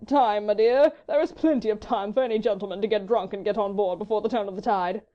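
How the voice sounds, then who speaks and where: A woman voicing a foppish, jovial English baronet who drawls and blusters loudly in an old-fashioned, affected manner. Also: sits high, quick pace, highs cut off, lightly acted. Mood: boisterous.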